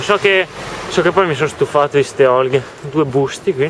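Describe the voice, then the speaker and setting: A man's fairly high-pitched voice at a moderate pace, fairly even in intonation, with light background noise. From Italy. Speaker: travel vlogger. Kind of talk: casual walking vlog; casual vlog chat. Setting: outdoors. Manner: rambling, many fillers. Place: street. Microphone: phone near.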